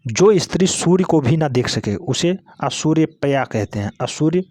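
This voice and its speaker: A man's voice: on the high side, animated, normal speed, a little mellow, no echo. A male teacher giving an exam-prep lesson, repeating each word several times and spelling it out letter by letter.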